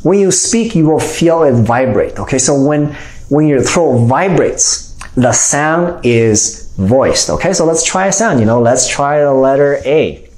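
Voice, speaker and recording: A man's voice: mid-range voice, lively intonation, a little slow, a little mellow. A man in his forties teaching an instructional phonics lesson in an explanatory way, often checking in with "okay?". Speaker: reading teacher. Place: small room indoors. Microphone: lapel mic. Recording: roomy, echoing indoor sound.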